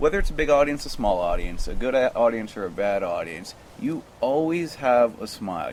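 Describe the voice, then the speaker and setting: This is a man with an ordinary speaking voice at a medium pitch. He talks at a moderate pace with lively intonation. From Canada. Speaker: street performer and podcast interviewer. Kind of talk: casual interview.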